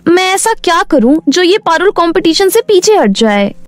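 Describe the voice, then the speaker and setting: A woman's voice: very high-pitched, very animated, normal speed, dry recording, soft background music. A woman voicing a jealous, scheming young female fashion model in a cartoon story. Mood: jealous, resolved.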